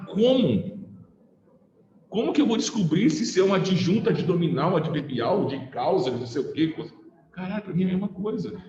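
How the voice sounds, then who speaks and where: A man's voice: fairly high pitch, a little mellow, slight background noise. Brazilian male physics teacher, slangy and informal, dull lo-fi sound in a roomy, reverberant classroom. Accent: Brazilian Portuguese. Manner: chatty and informal, with slang and swearing. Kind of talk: casual classroom lecture. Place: classroom, also streamed to students at home.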